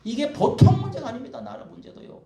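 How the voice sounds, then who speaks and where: A man's voice: extremely high pitch, expressive, fast talker, mellow. A male pastor preaching a sermon in a church, rhetorical and often prodding the congregation. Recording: echoey room, mic at a distance.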